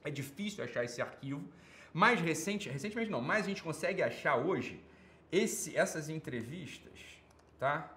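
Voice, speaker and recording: A man's voice: fairly high pitch, expressive, normal speed, bright, forceful tone. A Brazilian man giving informal, off-the-cuff commentary as a program host, opinionated and emphatic, with repetition and slangy, profane wording.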